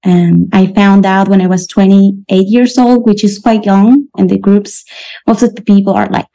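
Woman in her thirties, gravelly fry, warm dark tone, earnest reflective storytelling. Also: medium pitch, flat delivery, moderate pace, low-quality recording. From Venezuela. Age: 30s. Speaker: interview guest. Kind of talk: personal storytelling interview.

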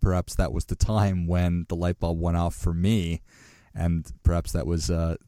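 Guy hosting a podcast, low warm voice, dry close sound, upbeat and chatty. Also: little pitch movement, normal speed, no echo. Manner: upbeat, with repeated words. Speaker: podcast host. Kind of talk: casual interview talk.

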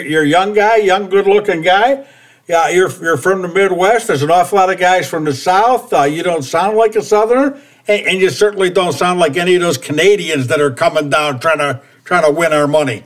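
A man with a notably high voice hosts a relaxed interview. He talks in a folksy, rambling way and trips over his words, repeating them as he goes. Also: normal speed. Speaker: podcast host. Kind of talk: casual interview chat.

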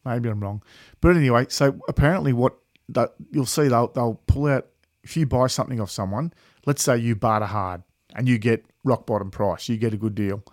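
A man's voice: medium pitch, fairly quick, few pauses, no room sound. Blokey Australian man, dry close sound. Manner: blokey, laid-back, sweary. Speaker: podcast host. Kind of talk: casual chat, anecdotes.

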